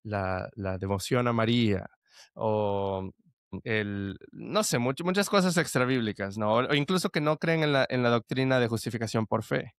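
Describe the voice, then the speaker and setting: A man's voice: mid-range voice, moderate pace, smooth, no echo, clean studio sound. A young man telling his story as a podcast guest, earnest and full of restarts. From El Salvador. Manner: earnest, with frequent restarts and fillers like "este". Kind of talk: conversational testimony.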